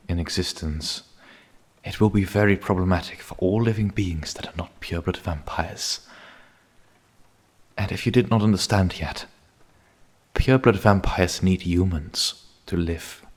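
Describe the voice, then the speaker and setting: A man playing a grim, menacing vampire hunter in an ASMR roleplay, speaking slowly and solemnly in a husky voice that often sinks into a whisper. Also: low-pitched. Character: grim male vampire hunter, menacing yet pleading captor. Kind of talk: ASMR roleplay, dramatic monologue.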